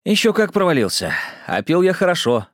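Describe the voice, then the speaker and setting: An effusive, theatrical male singer, as a man reading puts him on, talks in high, bouncy tones. The sound is dry and close. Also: sing-song, a little fast, no echo. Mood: breezy. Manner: effusive and fond. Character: cheerful male would-be opera singer, theatrical.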